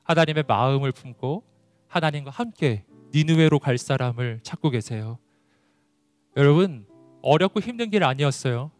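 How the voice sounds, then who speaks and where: A man's voice: animated, moderate pace, dry recording, faint music behind. A middle-aged man preaching a sermon to a young adult congregation, emphatic and full of rhetorical questions, sometimes acting out quoted prayers. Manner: acts out quoted prayers in a high voice. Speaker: pastor. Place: church hall.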